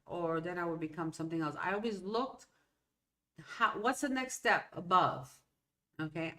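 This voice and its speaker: A woman's voice: on the low side, pushed and bright. A middle-aged woman whose first language is Spanish, talking in a rambling, casual way as a solo podcast host, often checking in with "okay?" and "right?". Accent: Hispanic American English. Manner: rambling, conversational, self-interrupting with "okay?" and "right?". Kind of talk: solo motivational talk.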